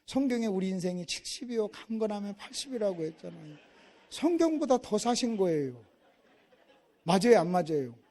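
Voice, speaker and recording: A middle-aged man from Korea preaching a revival sermon in a church, passionate and swinging from hushed storytelling to shouting. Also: high-pitched, big pitch swings, normal speed. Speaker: pastor. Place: church sanctuary.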